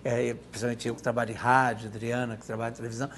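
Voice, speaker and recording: A woman's voice: flat delivery, racing. A woman with a Brazilian accent co-hosting a talk show in an informal, chatty, agreeable way, like a radio presenter. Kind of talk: casual talk show chat. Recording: faint low rumbling background noise.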